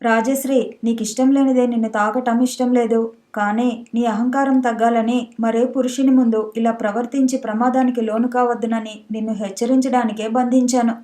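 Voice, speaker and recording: A woman's voice: a little high, fairly even intonation, moderate pace, dark tone, close to an everyday voice. A woman voicing a stern, hardworking young husband in a storybook reading, with a lecturing manner.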